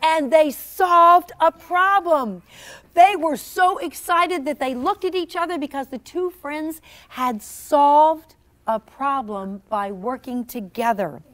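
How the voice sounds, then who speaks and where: A woman reading a children's story aloud to young listeners in an animated, teacherly way, prompting them with questions. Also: sits high, takes it slowly. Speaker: storyteller reading own children's book to a class. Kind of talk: interactive children's read-aloud.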